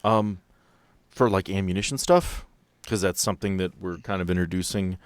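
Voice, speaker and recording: A man's voice: low-pitched, fairly even intonation, moderate pace, smooth, no room sound. A man running a tabletop game, casually explaining the rules to his players. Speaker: game master.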